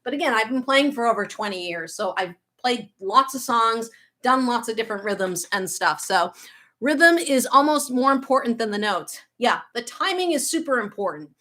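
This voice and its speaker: A guitar teacher in her thirties, with a faint Boston accent, chats casually on a livestream in a highish, expressive, sharp voice. She answers viewer questions, reads their comments aloud and slips in quick asides.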